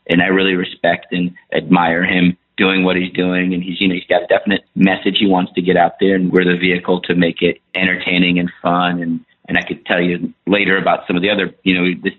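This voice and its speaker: A middle-aged man from Iran, a film producer and actor, chatting in a rambling, enthusiastic way as an interview guest. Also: low voice. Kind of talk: casual interview talk. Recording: tinny phone line.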